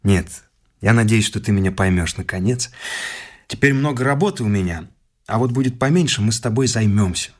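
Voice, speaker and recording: An actor playing a poor, hard-working young idealist husband in a classic Russian radio drama, with an earnest, moralising, pleading manner. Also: male voice, lowish voice, animated, a little fast. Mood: earnest, instructive. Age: young adult.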